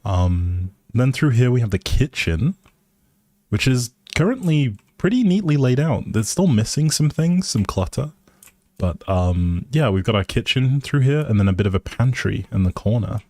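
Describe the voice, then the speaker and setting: A man's voice: mid-range voice, very animated, normal speed, darkish tone, dry recording. A man hosting a casual game livestream, talking to his viewers with playful, teasing informal banter.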